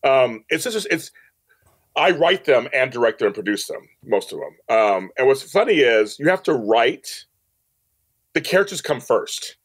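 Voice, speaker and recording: A man's voice: medium pitch, very animated, moderate pace. A man speaking as a podcast guest, telling personal stories casually and emphatically, often repeating phrases for stress. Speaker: podcast guest, audio drama producer. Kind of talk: personal storytelling in a casual interview.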